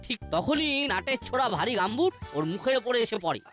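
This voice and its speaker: High-voiced, bustling cartoon official. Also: female voice, big pitch swings, fairly quick, a bit bright, soft background music. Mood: flustered, grateful. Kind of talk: animated comic cartoon acting.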